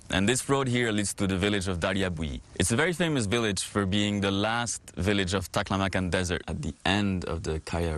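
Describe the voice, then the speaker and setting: A man from France, a photographer presenting on location with a lively manner. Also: on the low side, a little hiss or hum. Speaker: documentary photographer. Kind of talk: travel documentary presenting. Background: background music.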